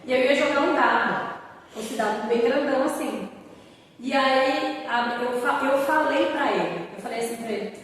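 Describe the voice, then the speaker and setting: A high-voiced woman teacher tells stories in a relaxed interview chat, lively and quick to laugh. She sounds far from the mic in a very echoey room with a long reverb tail. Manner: lively storyteller, laughs easily.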